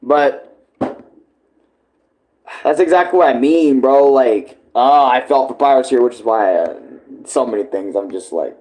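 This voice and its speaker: A man's voice: mid-range voice, unhurried, pauses often, darkish tone. A man giving casual, rambling reaction commentary full of slang and swearing, like a host talking to friends. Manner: rambling, informal, often addressing others as bro or dude.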